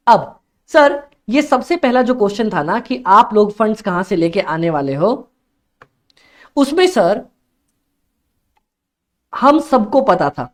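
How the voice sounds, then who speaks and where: Reading viewer chat out loud and repeating himself frequently, a young man with a high voice teaches an accountancy exam class over a live stream. His tone is lively and encouraging.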